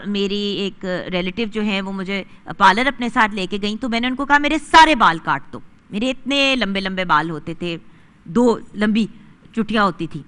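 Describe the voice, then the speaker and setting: A woman host speaks earnestly to her viewers in an easy, conversational way, pausing now and then to find her words. Her voice sits a little high and sounds bright and clear. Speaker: host of a religious broadcast. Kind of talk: personal storytelling to viewers.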